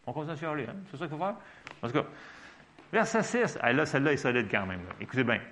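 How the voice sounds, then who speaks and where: A male preacher with a Québécois French accent, his voice rising and falling in lively swings. He delivers a sermon in a loose, colloquial, emphatic way. His pitch sits in the middle for a man. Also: quick pace. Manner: animated, emphatic, colloquial, throws in English words.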